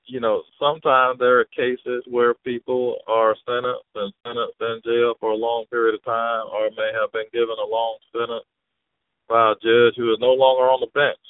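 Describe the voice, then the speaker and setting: A man speaking as the legal expert guest on a call-in show, explaining things in a measured way. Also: lowish voice, no echo. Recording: dry tinny phone line.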